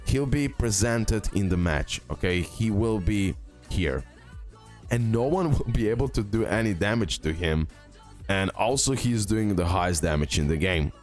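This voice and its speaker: A man's voice: fairly low pitch, darkish tone. A man giving casual, informal gaming commentary as a content creator, often repeating himself for emphasis. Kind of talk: casual gaming commentary over a tier list. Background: background music.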